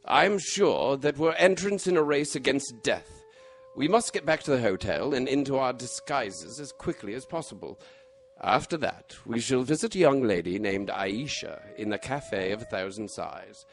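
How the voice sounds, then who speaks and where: A shrewd gentleman detective, played by a man in a radio mystery drama. His pitch moves in lively swings around a middle register. He is courteous and formal, with a dry, measured irony. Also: faint music behind, close to an everyday voice. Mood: grave, resolute. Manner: formal, measured, dryly ironic.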